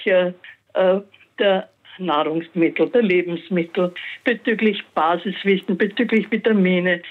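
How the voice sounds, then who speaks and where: Woman caller, insistent, over a thin phone line. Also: mid-range voice. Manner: insistent, opinionated. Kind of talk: call-in comment.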